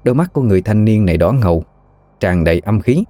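Male narrator, very low, dry close read, steady storytelling. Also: quick pace, no echo. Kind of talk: scripted narration of a ghost story.

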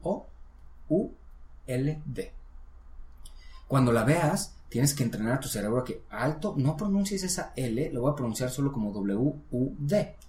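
A man's voice: mid-range voice, sing-song, a little slow, a little mellow. A man tutoring a student in English, explaining step by step in a patient, encouraging way. His voice sits in a middle register, and the room around him adds a noticeable echo. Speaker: English teacher. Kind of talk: one-on-one language lesson. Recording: roomy echo.

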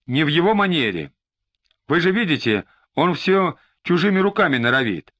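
A man's voice: on the high side, very animated, moderate pace, sharp tone, heavily acted. A man voicing a frightened, tearful middle-aged suspect who pleads and snaps irritably. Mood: agitated. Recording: slightly dull lo-fi recording.

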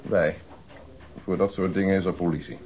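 An actor playing a patient, courteous police detective in a radio drama, calm, polite and coaxing. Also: male voice, deep voice, normal speed, close to an everyday voice. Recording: muffled, noisy old radio drama recording.

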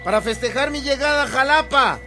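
An actor playing a devout, compassionate Catholic bishop in a radio drama, formal and measured, with a Mexican accent. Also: male voice, very high-pitched, music in the background. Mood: polite, insistent. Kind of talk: radionovela acting.

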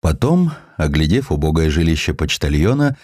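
A man reads scripted literary prose as an audiobook narrator. His low voice moves expressively through the phrases with dramatic, measured storytelling, and the recording is dry and close. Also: very animated, a little mellow, no room sound.

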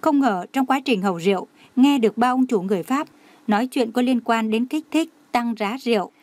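A woman's voice: a little high, brisk, a little mellow, dry recording, lightly acted. A woman voicing an anxious young female assistant reporting urgent trouble. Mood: urgent worry. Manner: urgent, worried.

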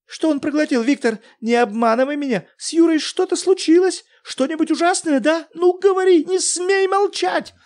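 Man doing a shrill panicked housewife. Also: normal speed, hardly any pauses, a little mellow. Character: frantic middle-aged woman, professor's wife.

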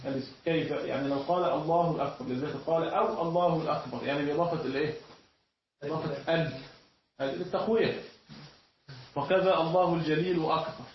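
Man teaching a class, fairly high voice, distant from the mic, booming echo, dull muffled sound, faint background noise. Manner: pauses mid-sentence for students to finish his words. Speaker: teacher of Islamic jurisprudence. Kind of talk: classroom lesson. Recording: echoey, distant, dull room recording.

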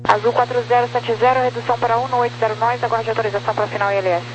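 Over a noisy, humming radio channel, a Brazilian woman air traffic controller gives procedural instructions in set phraseology. Her voice is a little high, flat in delivery and very fast.

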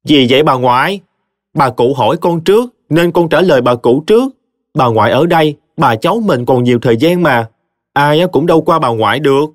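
A man's voice: fairly high pitch, animated, fairly quick, dry recording, clean studio sound, voice pushed up, lightly acted. A man voicing a cheeky, wheedling little boy in a told story. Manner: whiny, coaxing.

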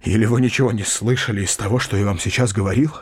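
A man's voice: on the high side, expressive, moderate pace, no echo, clean studio sound, voice pushed up. A man voicing an agitated middle-aged nobleman who pleads earnestly with his mother. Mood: urgent. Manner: earnest, urgent declaiming.

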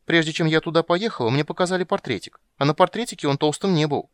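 A man voicing a stubborn, bossy little runaway princess who whines and sniffles in a high childish voice. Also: quick pace, no echo, close to an everyday voice. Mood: petulant. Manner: high petulant childish whining.

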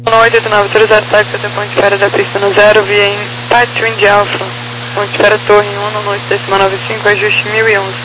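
A female air traffic controller issues clipped, procedural instructions over the radio. She talks very fast, with clear hum and noise on the channel. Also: mid-range voice, completely flat delivery. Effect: aviation radio.

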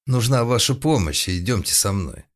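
A man's voice: fairly low pitch, lively intonation, moderate pace, voice pushed up. A man reading an audiobook, voicing a stern, commanding adult woman with a curt, authoritative manner. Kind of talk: audiobook character voice.

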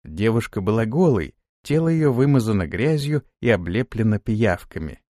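A man narrating an audiobook with expressive storytelling. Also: lowish voice, moderate pace, no room sound, clean studio sound. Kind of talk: scripted narration.

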